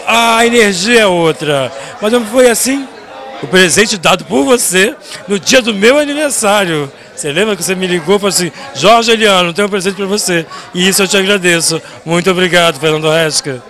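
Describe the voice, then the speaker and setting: A middle-aged man, an actor, reflects on returning to a role and thanks the host. His voice is fairly high and he speaks into a handheld mic backstage. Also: fairly bright tone. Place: backstage at a theater, indoors. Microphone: handheld interview mic.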